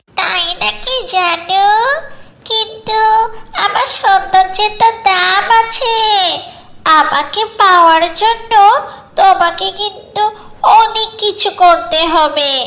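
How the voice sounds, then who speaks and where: A cartoonish character voice, female-sounding, with extremely high pitch. It moves at a very slow pace. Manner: flirtatious, giggling, manipulative.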